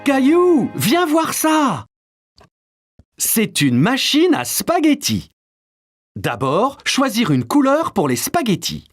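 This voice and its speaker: A patient cartoon dad. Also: male voice, extremely high pitch, huge pitch swings, takes it slowly, soft background music, full character voice. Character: kind, cheerful cartoon dad. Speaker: father.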